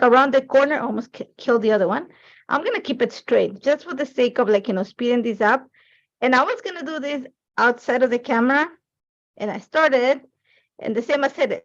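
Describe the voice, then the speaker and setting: A woman's voice: a little high, lo-fi sound. A woman who is a native Spanish speaker, hosting a casual live craft tutorial in a chatty, informal, rambling way. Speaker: host of a craft livestream.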